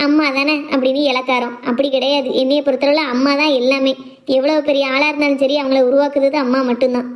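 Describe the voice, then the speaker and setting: A woman's voice: sits high, lightly acted. A woman playing a devoted young adult daughter who coaxes and teases her mother. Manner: earnest, coaxing, playful. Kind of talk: family drama skit.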